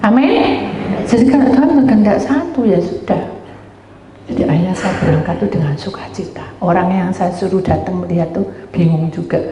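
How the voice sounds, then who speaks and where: A woman's voice: lowish voice, a little hiss or hum. A middle-aged woman pastor telling a story in a sermon, acting out voices and calling out to the congregation. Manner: animated, acts out dialogue, addresses congregation as "saudara". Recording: roomy hall, voice from far off.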